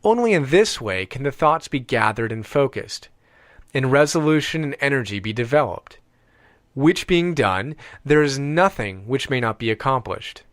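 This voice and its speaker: A man reading an audiobook in a deliberate, measured way with emphatic pauses. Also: mid-range voice, animated, no room sound, studio quality. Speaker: audiobook reader. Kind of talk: scripted audiobook narration.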